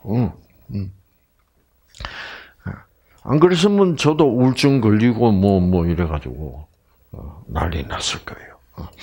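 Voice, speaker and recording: Older Korean man, gravelly, chatty lecturer. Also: on the low side. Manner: chatty, animated, frequent fillers and asides to audience. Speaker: health lecturer. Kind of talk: health lecture with personal stories.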